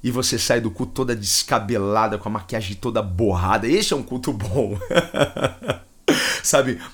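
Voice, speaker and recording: A man's voice: lowish voice, slightly rough. A man with a Brazilian accent preaching a livestreamed sermon, fervent and repetitive, with emotional swells in his voice. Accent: Brazilian Portuguese.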